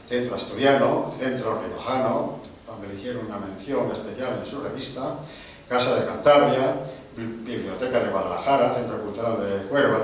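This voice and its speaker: A middle-aged man at a book launch introduces an author from a table microphone, listing her career item by item with small restarts. His voice sits at an ordinary middle pitch. It comes from a step back from the mic in a very echoey hall with a faint hum of noise. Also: distant mic. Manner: reads a long biography in measured lists, with small hesitations and restarts. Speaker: event host presenting an author. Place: large conference room, seated at a panel table.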